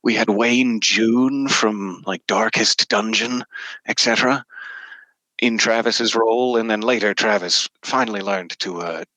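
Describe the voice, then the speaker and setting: A man's voice: on the low side, a little slow, sharp tone, no echo, rough recording. A man giving a casual interview as a voice actor guest, joking and self-deprecating as he talks.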